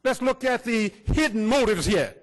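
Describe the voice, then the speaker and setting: A man's voice: very high-pitched, expressive, normal speed. A man, an activist giving a fiery, confrontational public comment full of rhetorical questions at a council podium microphone. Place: city council chamber. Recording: long reverb in large chamber.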